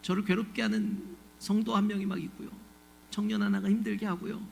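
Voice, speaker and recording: A man's voice: high-pitched, flat delivery, fast talker, vocal fry, slight background noise. A male pastor preaching a sermon in a conversational, emotive way, often asking the congregation questions and acting out anguished pleas. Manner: emotive, acts out biblical cries and pleas.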